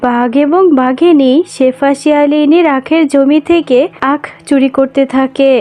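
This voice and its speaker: A woman's voice: sits high, steady tone, measured pace, warm tone. A woman narrator reading a scripted cartoon story. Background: music.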